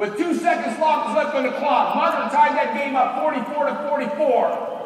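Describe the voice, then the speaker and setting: A man with an American accent talks at a moderate pace. Room echo is audible and background noise is noticeable. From Ohio, US Midwest. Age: 60s. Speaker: motivational speaker at sales convention. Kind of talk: motivational speech. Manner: animated.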